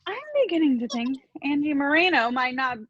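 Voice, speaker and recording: An exasperated comedy-sketch mom, acted by a woman, with a high voice. She is blunt, weary and dismissive, recorded dry and slightly lo-fi. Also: fairly quick, fairly bright tone, dry recording, soft background music. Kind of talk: sketch comedy staged reading. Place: remote virtual reading.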